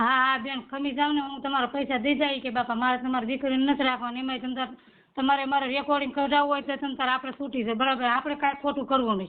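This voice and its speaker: A woman speaks at a high pitch in a flat monotone. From Gujarat, Bhavnagar district (Saurashtra). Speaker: complainant caller. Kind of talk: phone complaint conversation. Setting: phone call. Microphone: voice sounds doubled on the line.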